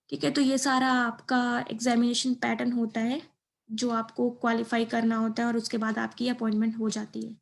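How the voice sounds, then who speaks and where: A woman's voice: on the high side, vocal fry. A woman giving an informal exam-preparation explainer, mixing in English terms and often checking in with a short tag phrase. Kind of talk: informal explainer lesson over slides.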